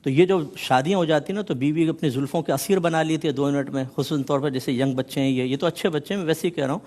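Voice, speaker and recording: A man, a mufti, giving a measured religious explanation on a TV talk show, listing points in rhythmic series and mixing in English words. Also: fairly high pitch, darkish tone.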